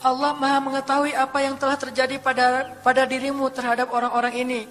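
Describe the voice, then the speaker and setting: A man voicing a gentle male archangel who addresses the listener slowly and respectfully. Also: very high-pitched, completely flat delivery. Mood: solemn, tender. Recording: long hall reverb, faint music.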